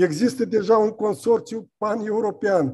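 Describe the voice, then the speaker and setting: A man speaks very slowly in a high voice with a dark, mellow tone. The background is quiet. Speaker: academy president, moderator. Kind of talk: formal moderating. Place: hall. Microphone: podium.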